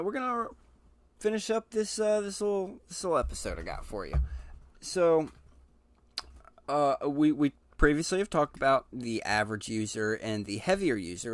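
A man talks through a casual solo podcast episode, addressing his listeners directly in an easygoing, chatty manner. He fills pauses with ums and restarts his sentences often. His mid-pitched voice is recorded dry and close, with no room echo. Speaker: podcast host.

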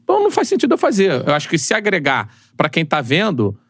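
Brazilian man, 30s, podcast guest, rapid and animated, slightly high, dry sound. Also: no room sound. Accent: Brazilian Portuguese. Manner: fast, animated storytelling with slang. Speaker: podcast guest, football commentator. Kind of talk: casual chat.

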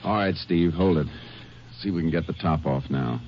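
Man acting a low-voiced, laconic Texas Ranger. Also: moderate pace, lightly acted. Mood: calm, considerate. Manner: laconic, firm. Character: authoritative, steady Texas Ranger lawman, male. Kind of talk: 1950s radio western acting. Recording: noisy, muffled old-time radio recording.

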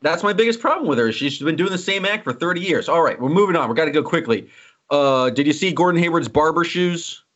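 A man hosting a casual sports podcast, teasing his co-host and joking as he moves quickly through topics. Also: fairly high pitch, animated, fairly bright tone. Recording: slightly dull lo-fi audio.

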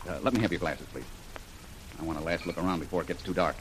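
A man's voice: low voice, fast talker, a little hiss or hum, lightly acted, low-quality recording. An actor playing a bold, confident male jungle adventurer who takes charge in an old radio serial.

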